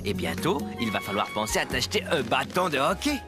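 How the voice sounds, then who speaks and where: A man's voice: medium pitch, very animated, brisk, music in the background, natural voice. A man voicing a cheerful, encouraging father in a French children's cartoon.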